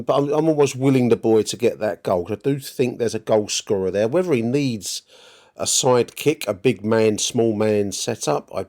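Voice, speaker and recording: A man's voice: lowish voice, dark tone. A man hosting a football podcast, chatting through his opinions in a rambling way and repeating words as he thinks. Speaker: podcast host. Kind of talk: conversational football commentary.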